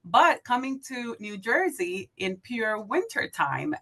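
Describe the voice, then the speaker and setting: A woman in her thirties from the Dominican Republic, a podcast guest telling her story casually, upbeat and quick to laugh. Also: on the high side, very animated, a bit bright. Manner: upbeat, laughs easily, fillers like um and like.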